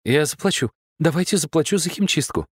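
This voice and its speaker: A man's voice: fairly high pitch, expressive, fast, dry recording, voice pushed up, close to an everyday voice. A man voicing a flustered, earnest young woman who keeps apologizing, in an audiobook.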